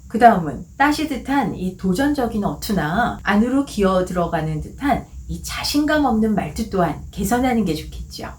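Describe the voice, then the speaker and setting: A woman hosting a book channel, giving a calm, clearly articulated talk on conversation tips from her office. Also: on the high side. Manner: calm, clearly articulated, acts out short quoted lines. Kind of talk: scripted explanatory talk.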